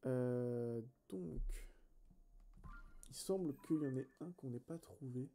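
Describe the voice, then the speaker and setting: A man's voice: mid-range voice, slow, dark tone. A man hosting a video game let's play, thinking aloud in casual commentary, hesitating and correcting himself as he talks to viewers. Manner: chatty, addresses viewers directly.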